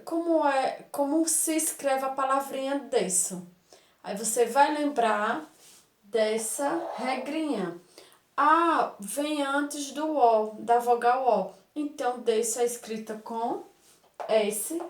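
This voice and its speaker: A Brazilian woman teacher with a Brazilian Portuguese accent, explaining a grammar lesson to children slowly and affectionately, often checking with "right?". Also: a little high. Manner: reads dialogue aloud with expressive intonation. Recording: echoey room.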